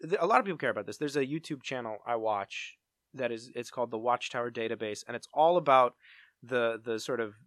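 A man's voice: mid-range voice, fast, fairly bright tone, no echo, studio quality. A man co-hosting a podcast, chatting casually and rambling in a playful way. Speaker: podcast co-host. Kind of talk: casual, rambling pop culture chat.

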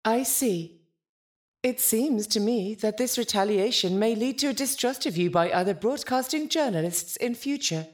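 A woman playing a calm, literal-minded artificial companion in an audio drama, speaking in a measured, formal, deadpan way. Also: a little high, natural voice. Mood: calm, analytical.

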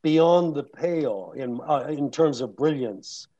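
A man's voice: fairly high pitch, lively intonation, takes it slowly, warm tone. A man, an audiobook narrator, answering audience questions in a thoughtful way, often stopping and restarting his sentences. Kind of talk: panel Q&A answers. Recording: muffled lo-fi recording.

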